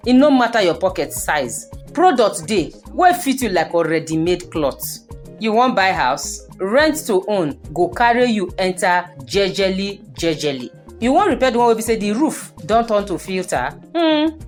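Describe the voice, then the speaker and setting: A woman with a Nigerian accent playing a lively, streetwise adviser in a folksy, persuasive Pidgin radio monologue, exclaiming and addressing her listeners directly. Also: medium pitch, lightly acted. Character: Madam Cho Cho Cho, lively streetwise woman giving housing advice. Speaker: radio segment presenter.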